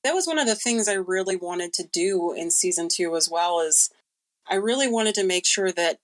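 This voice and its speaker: A woman's voice: on the low side, lively intonation, moderate pace. A woman chatting casually as an interview guest, informal, candid and emphatic. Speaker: creative director of a podcast, guest.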